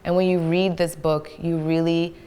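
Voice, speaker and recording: A woman's voice: fairly low pitch, flat delivery, normal speed, warm tone. A woman who grew up in Belgium, a writer and translator, speaking thoughtfully in a documentary interview. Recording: clear music underneath.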